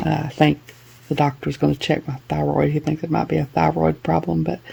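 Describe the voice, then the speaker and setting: A soft-spoken woman with a Southern US accent, at a fairly quick pace. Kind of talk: tutorial. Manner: casual.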